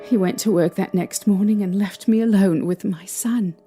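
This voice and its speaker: A woman playing a young mother shaken by strange happenings, recalling them in a halting, hesitant way. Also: medium pitch, steady tone, warm tone, lightly acted. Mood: uneasy. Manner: hesitant, halting recollection with restarts. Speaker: interviewee recounting events. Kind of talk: fan audio drama acting. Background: faint music.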